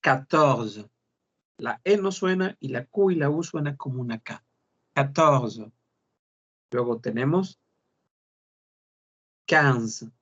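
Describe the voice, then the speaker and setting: A man teaching a French class, slowly repeating words to model their pronunciation. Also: fairly high pitch, a little mellow. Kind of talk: online class lesson. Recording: dull lo-fi class recording.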